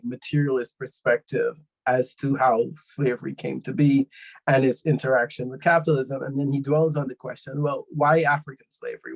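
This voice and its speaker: Man with a gravelly voice. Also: mid-range voice, darkish tone, poor audio. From Guyana. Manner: thoughtful, explanatory, with frequent fillers. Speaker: panelist. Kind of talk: online panel discussion.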